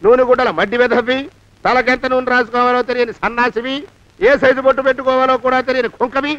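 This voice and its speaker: A man plays a scheming, bossy master of the house who fires off insults. He talks fast and his voice sits high. The sound is dull and lo-fi, like an old film print. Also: close to an everyday voice. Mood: scolding. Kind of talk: comic film acting.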